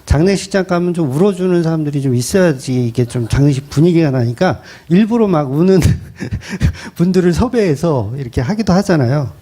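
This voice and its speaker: Lively high-voiced male pastor. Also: a little fast, few pauses. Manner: conversational, asks rhetorical questions. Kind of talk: expository sermon.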